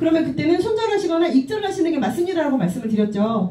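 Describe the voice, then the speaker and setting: Her pitch swings very widely as a woman speaks amid audible room echo. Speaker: crypto trading presenter. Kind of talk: presentation to audience. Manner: fast.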